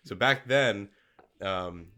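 Man, congested, low voice, rambling casual podcast talk. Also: extremely slow, pushed and bright. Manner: rambling, many fillers and restarts. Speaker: podcast co-host, maker. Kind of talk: casual chat.

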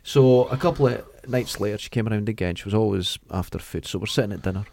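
A man's voice: fairly low pitch, fast, creaky. Chatty man with a Dundee accent. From Dundee, Scotland. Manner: chatty storyteller, lively anecdotes. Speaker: podcast co-host. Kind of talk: casual chat.

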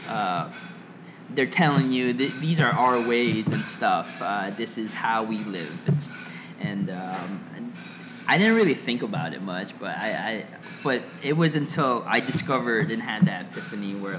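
A man's voice: fairly low pitch, background noise. A young man from Los Angeles answering interview questions casually, full of fillers and restarts. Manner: hesitant, lots of "like" and "uh". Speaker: interview guest.

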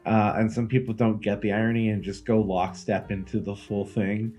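A man co-hosting a comedy podcast, trading deadpan jokes and telling rambling stories in casual chat. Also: on the low side, normal speed, soft background music. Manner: deadpan joking, rambling storytelling. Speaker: podcast co-host.

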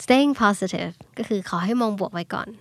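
A woman's voice: mid-range voice, animated, unhurried, creaky, no echo. A woman co-hosting a podcast, reading out English terms and giving brief glosses. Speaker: podcast co-host. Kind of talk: casual chat.

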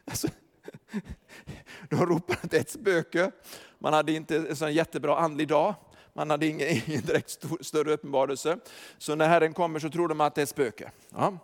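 A pastor preaching in a high, light voice that carries through a reverberant church hall. He moves from hushed, chuckling asides to loud, emphatic declarations. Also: steady tone. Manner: chuckles often while telling. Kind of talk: sermon. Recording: long reverb of a large hall.

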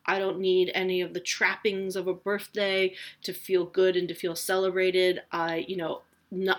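A woman in her forties hosting a casual solo podcast from home, chatty and rambling, with a self-deprecating humor. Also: on the low side. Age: 40s. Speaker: podcast host.

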